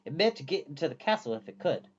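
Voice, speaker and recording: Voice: mid-range voice, sing-song, fast talker, highs cut off, soft background music. A storyteller reading a fantasy novel aloud as scripted storybook narration.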